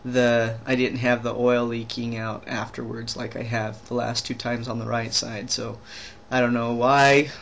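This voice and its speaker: A young trans man rambles through a personal video diary, stopping and restarting his sentences often. His pitch stays level and even, with little rise or fall. A faint steady hiss sits under the camera-mic recording. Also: creaky. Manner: rambling, halting, many restarts and fillers. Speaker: vlogger.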